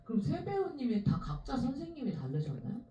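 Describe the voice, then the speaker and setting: A woman's voice: high-pitched, huge pitch swings, brisk, warm tone, a little hiss or hum. A woman moderating a film Q&A, asking the actors questions and reacting with short interjections, recorded from a cinema audience. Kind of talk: panel Q&A moderation. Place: cinema auditorium. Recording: distant echoey, dull audience recording.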